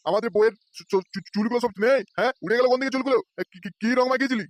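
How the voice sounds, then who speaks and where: Irate cartoon villager, high voice, rattling very fast, scolding, blustering, light music. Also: male voice, dry recording. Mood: furious. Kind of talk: Bengali comedy cartoon dubbing.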